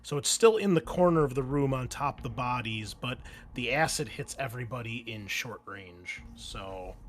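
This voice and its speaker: A man's voice: medium pitch, expressive, moderate pace, a little hiss or hum. A man, acting as game master in a casual tabletop session, explaining rules informally as he goes.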